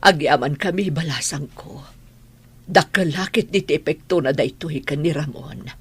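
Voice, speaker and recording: A woman playing a caring, sorrowful old grandmother in an audio drama, with a husky, gentle, plaintive delivery. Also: sits low, moderate pace. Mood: sorrowful, resigned. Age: older. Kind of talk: Ilocano radio-style drama acting.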